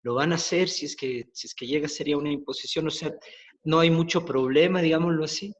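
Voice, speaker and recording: A male host asking questions haltingly, repeating words as he goes. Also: fairly high pitch. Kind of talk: interview questions.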